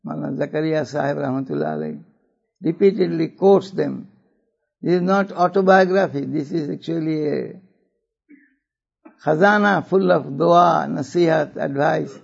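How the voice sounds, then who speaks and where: Elderly South Asian man preaching, gravelly voice. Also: a little high, expressive, lo-fi sound. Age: older, 70s or above. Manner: deliberate phrasing, mixing in Urdu and Arabic phrases. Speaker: religious speaker. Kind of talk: religious talk to an audience.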